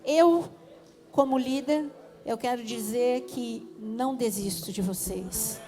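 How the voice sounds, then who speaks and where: A woman pastor pours out a fervent, pleading prayer in a church service, her voice sitting high. Her phrases repeat and climb toward cries. Soft music plays faintly behind her. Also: takes it slowly. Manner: pleading, repetitive, rising to cries.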